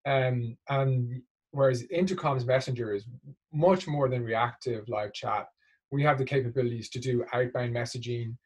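A man's voice: mid-range voice, moderate pace, darkish tone, slightly rough, poor audio. A man speaking as an executive guest in a business interview, explaining conversationally and often checking in with tag questions.

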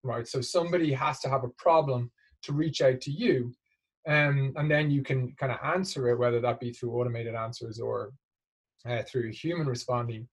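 Husky-voiced man explaining in an interview. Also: medium pitch, fairly even intonation, normal speed. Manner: explanatory, often seeks agreement with tag questions. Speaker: interview guest, marketing executive. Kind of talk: conversational business interview.

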